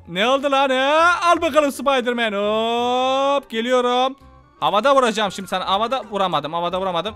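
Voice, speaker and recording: A young man commenting excitedly on a game he is playing, talking to viewers and taunting enemies. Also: very high voice. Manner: excitable, banters with enemies, addresses viewers as friends. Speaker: gaming YouTuber. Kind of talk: Let's Play commentary.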